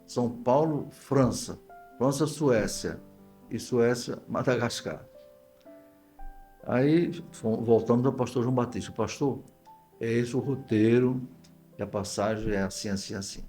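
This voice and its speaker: An older male pastor with a Northeastern Brazilian accent tells stories in a mid-pitched voice. He repeats himself and voices the dialogue of people in his anecdotes, with music playing behind him. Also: a little slow, dark tone. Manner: anecdotal, acts out quoted dialogue, repeats phrases. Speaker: guest pastor. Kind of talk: conversational storytelling interview.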